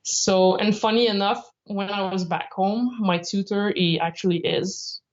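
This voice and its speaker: A woman's voice: mid-range voice, unhurried. Chatty Canadian woman on a muffled call. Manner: chatty and animated, laughs often, acts out quotes. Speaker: guest, traveling jiu-jitsu instructor. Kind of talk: casual remote interview.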